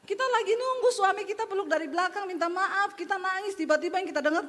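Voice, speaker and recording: A woman's voice: very high voice, quick pace, fairly bright tone, long reverb tail. A woman pastor preaching a sermon in a chatty, humorous way, speaking straight to her congregation.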